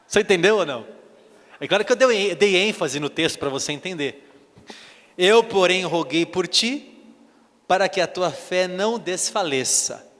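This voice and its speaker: A man's voice: high-pitched, normal speed, in a large hall. A man preaching a sermon as a bishop, telling stories animatedly and acting out the dialogue himself. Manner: animated storytelling, acts out dialogue.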